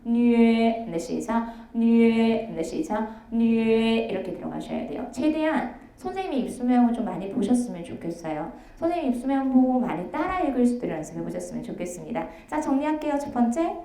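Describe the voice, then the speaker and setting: A woman with a rather high but mellow voice leads a pronunciation drill as a teacher, briskly cueing and repeating each sound. She is heard in a roomy, echoey space. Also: very animated. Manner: brisk, repeats cue word then models each sound. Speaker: Chinese language teacher. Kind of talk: online lecture with call-and-response drills. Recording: echoey room.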